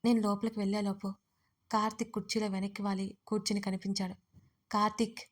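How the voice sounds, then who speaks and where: A woman reads a first-person romance audio story in a dramatic storytelling manner. Her pitch stays narrow and flat, with little rise or fall. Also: fast.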